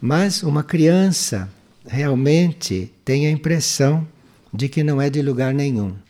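A man with a Brazilian accent speaks as a spiritual teacher, answering questions in a measured, didactic, explanatory manner. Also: on the high side, lively intonation, a little mellow.

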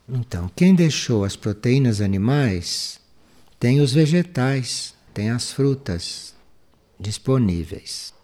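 A man with a Brazilian accent speaks as a spiritual teacher, answering questions in a measured, didactic, explanatory manner. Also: medium pitch, a little mellow.

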